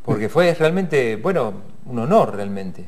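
A man's voice: mid-range voice, very animated, measured pace, a little mellow. Polite Argentine man hosting TV. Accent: Argentine Spanish. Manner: polite, formal questioning. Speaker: TV host. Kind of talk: casual interview. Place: TV studio.

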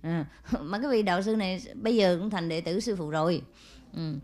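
A woman's voice: fairly low pitch, a little mellow. A woman spiritual teacher giving an informal talk to followers, telling a story with many small fillers and checks on whether listeners follow. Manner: chatty, frequent "ừ" and "à" fillers, asks listeners "hiểu chưa?"; switches to brisk, scolding asides to attendants.

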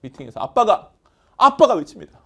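A male English teacher lectures with a fairly high voice that leaps and drops all over the place. He chants word lists in rhythm and slips into playful skits to make the words stick. It sounds like a recorded lecture in a studio. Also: sing-song, fairly quick, vocal fry, breathy edge. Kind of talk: lively lecture.

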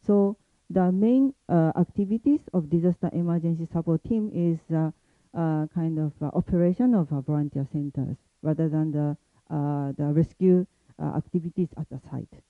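A woman presents a prepared university report in a careful, halting way, often pausing on fillers. Her voice sits somewhat low for a woman. The recording is thin and phone-like, with a dry sound. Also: no echo. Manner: careful, hesitant delivery with many pauses and fillers.

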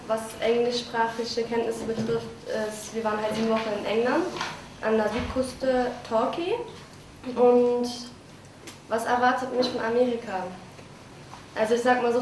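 A woman's voice: a little high, noisy background. A woman aged twenty-one, a trainee, introducing herself casually at a press event. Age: 20s. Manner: casual, reflective. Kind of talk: self-introduction. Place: large hall. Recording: echoey hall from far off.

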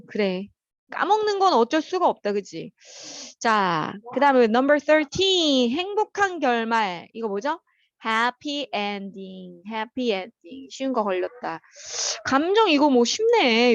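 In a fairly high voice, a teacher leads an English vocabulary lesson, using Korean for explanations and naming students as she calls on them. She reads the English example sentences with slow care, on a lo-fi recording without room sound.

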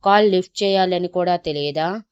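A woman's voice: lowish voice, fairly quick, darkish tone, smooth, no echo, dull audio, close to an everyday voice. A woman voicing a worried, protective young husband who scolds, then coaxes and pleads. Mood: scolding.

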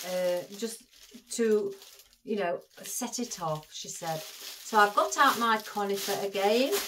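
A florist demonstrates an arrangement in a chatty craft tutorial, calling her viewers "guys" as she walks them through each step. Her voice is mid-range, with a bit of background noise.

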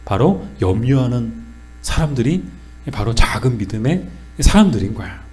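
A man's voice: medium pitch, sing-song, moderate pace, darkish tone. Man teaching a church Bible study. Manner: explains with questions and answers, acts out quoted lines.

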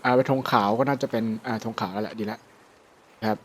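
A man casually commentating his gameplay, chatty and prone to loud sudden exclamations and swearing. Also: lowish voice, steady tone, fast, slight background noise. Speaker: game streamer.

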